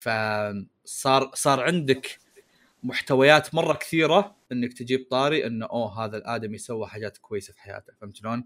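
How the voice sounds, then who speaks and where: At a fairly slow pace, a man talks in an ordinary speaking voice of medium pitch, with ordinary pitch variation. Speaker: podcast host. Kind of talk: casual chat.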